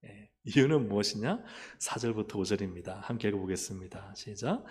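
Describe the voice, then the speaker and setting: A man pastor preaching a lively sermon, calling for amens and asking the congregation questions. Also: on the low side, a little fast. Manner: acts out quoted voices and asks the listeners questions. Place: church sanctuary. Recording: long church hall reverb.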